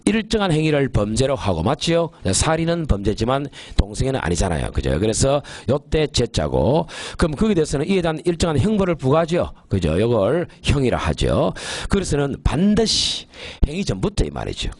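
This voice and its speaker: A male criminal law lecturer in an exam-prep class talks quickly, his pitch leaping up and down as he stresses points. He keeps asking his students whether they follow and slows down to dictate key phrases. The sound is close and dry, with no room echo. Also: huge pitch swings, darkish tone.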